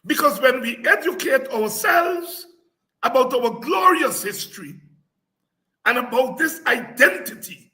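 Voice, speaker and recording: A middle-aged man with an unusually high, bright voice holds forth in a fiery political speech. He draws out his phrases slowly, hammering each point with repetition and sudden shouts. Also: lively intonation. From Guyana. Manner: fiery, declamatory, repeats phrases for emphasis, breaks into shouts. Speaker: podcast host and political speaker. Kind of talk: impassioned political address.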